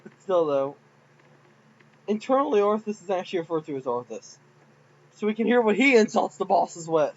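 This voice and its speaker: Giggly rambling man, high voice. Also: big pitch swings, normal speed, pauses often, dull audio. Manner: rambling, giggly, self-mocking. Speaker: game modder. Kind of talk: casual game commentary.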